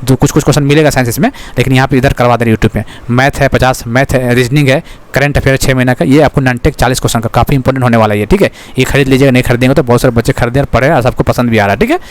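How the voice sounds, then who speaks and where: A man's voice: mid-range voice, very fast. A man teaching an exam-prep lesson, repeating his own questions to the class and filling with frequent checks like "okay". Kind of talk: fast exam-prep lecture.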